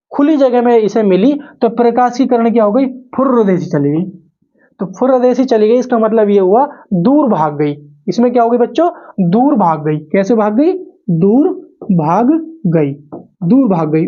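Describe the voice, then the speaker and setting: Casting: male exam-coaching teacher, soft dark timbre, repeats points and quizzes pupils, slightly dull recording. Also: extremely high pitch. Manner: repetitive, asks questions and answers them himself. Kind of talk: classroom lesson to camera. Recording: dull lo-fi audio.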